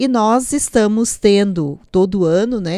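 Against a quiet background, a woman with a dark, mellow tone speaks with lively intonation in a dry sound with no echo. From Brazil, rural Paraná. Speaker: interview guest. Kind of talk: radio interview. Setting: radio studio. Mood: calm, warm. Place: studio. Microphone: studio mic.

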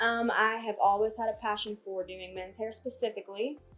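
In a Southern US accent, a woman speaks at a fairly high pitch. Faint music plays in the background. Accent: Southern American. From South Carolina. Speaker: barber. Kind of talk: interview answer. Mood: warm, enthusiastic. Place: cafe.

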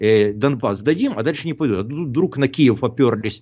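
The speaker is a man with a medium pitch and a moderate pace. His intonation is lively, against a quiet background. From Ukraine. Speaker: political commentator. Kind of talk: political commentary monologue. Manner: animated. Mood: indignant, critical. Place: home room. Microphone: video call.

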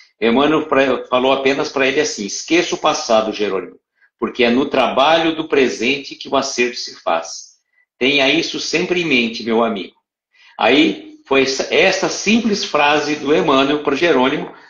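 Lively intonation with audible room echo over a quiet background. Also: man, fairly high pitch for a man, moderate pace. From Brazil. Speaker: spiritist livestream host and lecturer; spiritist livestream host, lecturer. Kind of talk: casual chat. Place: home room. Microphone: earbuds.

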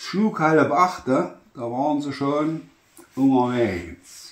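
In a Saxony-Anhalt accent, a man speaks at a very slow pace with audible room echo. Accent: Mansfeld dialect, Saxony-Anhalt. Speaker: dialect poem reciter. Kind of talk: dialect poetry reading. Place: home room. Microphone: phone near.

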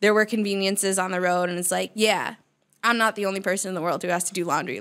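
Vocal fry over a quiet background. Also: woman. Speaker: podcast guest. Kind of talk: interview answer. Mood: lively, amused storytelling. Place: studio. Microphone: studio mic.

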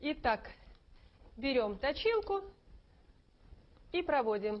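Speaking very slowly, a woman uses a high pitch that swings very widely. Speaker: infomercial co-host. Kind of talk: infomercial product demonstration. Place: studio. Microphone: lapel.

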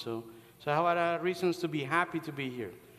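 A man, with ordinary pitch variation. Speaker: priest. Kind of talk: sermon. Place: church.

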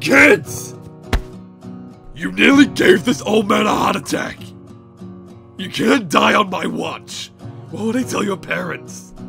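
The speech unfolds at a fairly slow pace. Clear music plays in the background. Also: man, high pitch for a man. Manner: self-reproaching, then loud and relieved.

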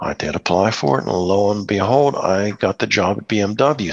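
The intonation is lively. A man delivers it at a fairly slow pace. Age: 50s. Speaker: motorcycle industry product manager. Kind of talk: casual interview. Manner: halting, repeats words.

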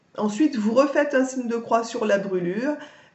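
A woman's voice sits at a fairly high pitch. The background is quiet, though room echo is audible. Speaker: wellness and natural-remedies channel host. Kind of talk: casual talk to camera, explaining a prayer. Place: home room. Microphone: webcam.

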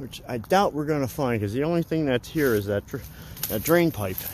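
Speech comes at a moderate pace amid noticeable background noise. The sound is dry, with no echo. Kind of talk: casual vlog commentary. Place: open country. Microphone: phone near.

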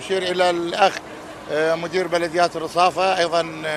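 The delivery is monotone and flat at a moderate pace, with a dry, echo-free sound over noticeable background noise. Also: man. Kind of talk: interview answer. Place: street. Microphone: handheld.

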